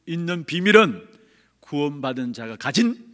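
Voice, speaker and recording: A male pastor preaching emphatically in a church, pausing for his interpreter. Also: a little high, very animated, a bit bright. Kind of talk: sermon with live interpretation. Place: church sanctuary. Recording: long church reverb.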